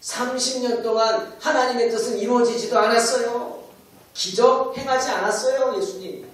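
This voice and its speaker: A man's voice: extremely high pitch, fairly even intonation, normal speed, fairly bright tone. A man pastor preaching a sermon dramatically, often asking the congregation rhetorical questions. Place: church sanctuary. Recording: echoey church hall, mic far off.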